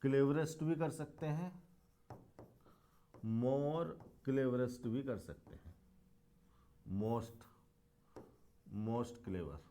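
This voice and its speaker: Mellow-voiced man teaching grammar. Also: medium pitch, takes it slowly, pauses often, slight background noise. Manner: explains step by step, repeats words and rhetorical questions. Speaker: English teacher. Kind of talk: classroom grammar lesson.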